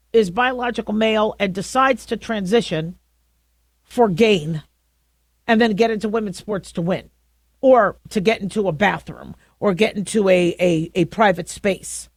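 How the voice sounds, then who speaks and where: A middle-aged woman with a deep voice hosting a talk radio show, talking through her views in a conversational way with frequent restarts. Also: no room sound. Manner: conversational, halting with many restarts. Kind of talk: opinionated talk radio monologue.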